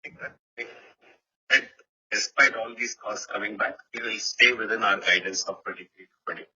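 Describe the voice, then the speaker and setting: A man's voice: lowish voice, steady tone, normal speed, bright, forceful tone, husky. A man, a company executive answering analysts on an earnings call, with a hesitant manner and frequent "you know" asides. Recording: muffled, lo-fi conference call audio.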